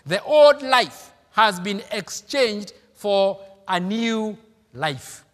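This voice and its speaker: A man's voice: sits high, lively intonation, extremely slow, a bit bright, long reverb tail. A man, preaching an emphatic sermon, repeating his points and calling out hallelujah. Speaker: pastor.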